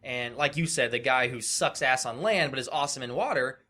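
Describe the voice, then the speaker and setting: Casting: male gaming podcast co-host, mid-range pitch, bright and punchy, casual conversational delivery. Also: brisk.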